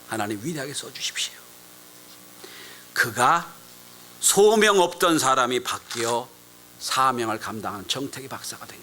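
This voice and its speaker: A man preaching a sermon as a pastor, telling a story with sudden loud, emphatic rises and hushed drops. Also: mid-range voice, a little hiss or hum, low-quality recording.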